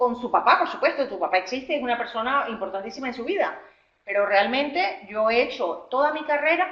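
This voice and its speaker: Talking at a fairly quick pace, a woman with a Latin American accent uses a high pitch and lively intonation. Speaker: television executive. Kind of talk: webinar interview.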